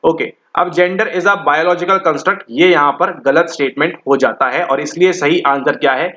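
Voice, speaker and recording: Man lecturing, higher voice, dull sound. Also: steady tone, unhurried, fairly bright tone. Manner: explanatory, repeats "ठीक है?" to check understanding. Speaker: teacher. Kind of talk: exam-prep lecture.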